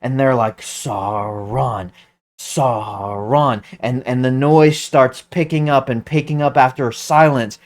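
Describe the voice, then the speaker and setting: An online commentator giving excited, casual commentary, stumbling over and restarting words, and humming tunes aloud. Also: mid-range voice, moderate pace, few pauses. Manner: animated, hums music aloud.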